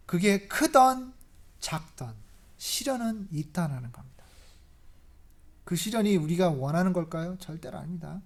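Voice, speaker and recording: A preacher giving a sermon, emphatic and lively, constantly asking the congregation questions. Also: medium pitch. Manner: asks the congregation many rhetorical questions; lively, emphatic, rises in volume on key points.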